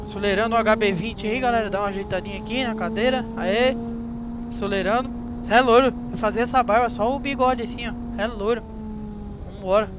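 A young man with a Brazilian Portuguese accent giving chatty, excitable commentary on a driving game straight to his viewers. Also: sits high, fairly quick, muffled recording, noisy background. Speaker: gaming channel host. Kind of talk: casual gameplay commentary.

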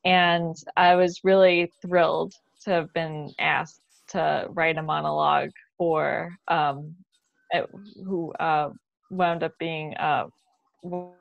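A woman's voice: sits low, little pitch movement, slow pace, gravelly, no echo. A young adult woman chatting casually as a guest on a video call roundtable. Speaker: panel guest, playwright. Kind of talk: casual chat. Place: bright living room, indoors. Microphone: video call, computer mic. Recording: dull lo-fi video call audio.

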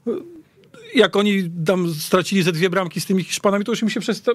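A man's voice: sits high, no echo. Male football pundit, raised register, casual and stumbling with restarts, dry studio recording. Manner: halting, stammering restarts. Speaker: radio podcast guest commentator.

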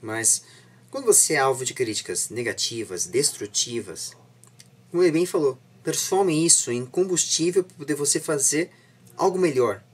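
Young Brazilian man, slightly husky voice. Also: a little high, animated, normal speed. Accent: Brazilian Portuguese. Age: 20s. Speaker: interview host. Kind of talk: reflective address to viewers. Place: living room at home.

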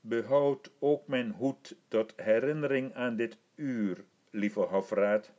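A man voicing a slow, stately old emperor. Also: mid-range voice, dark tone, lightly acted. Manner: stately, measured and formal. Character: older male emperor, gracious and commanding. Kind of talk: audiobook reading.

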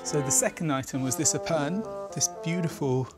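A man's voice: fairly high pitch, moderate pace, loud music behind the voice. A young man, an antiques expert, talking politely and enthusiastically about items in a shop. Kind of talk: casual on-camera talk.

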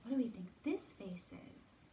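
A woman in her thirties gently guiding young children through a lesson, asking simple encouraging questions and pausing often. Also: mid-range voice, big pitch swings. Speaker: children's storytime host. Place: indoor library room with bookshelves. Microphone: camera a few feet away. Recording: distant mic, roomy ambient noise.

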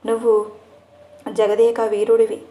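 A woman's voice: a little high, monotone, measured pace, dark tone, natural voice. A woman narrator voicing a playful, teasing young woman who speaks in theatrical, mock-dramatic lines. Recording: echoey room.

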